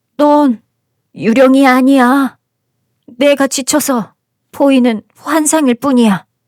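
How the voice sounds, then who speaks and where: Putting on a character voice, a woman speaks shakily at a high pitch and a fairly slow pace, leaving long, frequent pauses. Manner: trembling.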